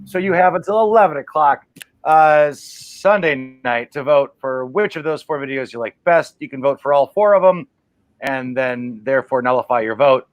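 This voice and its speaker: A man's voice: mid-range voice, moderate pace, dry recording. A man hosting a comedy livestream in a loose, chatty way with many fillers. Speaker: host.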